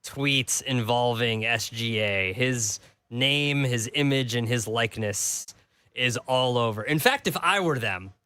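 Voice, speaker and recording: A man's voice: mid-range voice, a little slow, sharp tone, clear, resonant tone. A man co-hosting a sports radio show, making wry, self-deprecating asides. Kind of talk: casual sports talk banter.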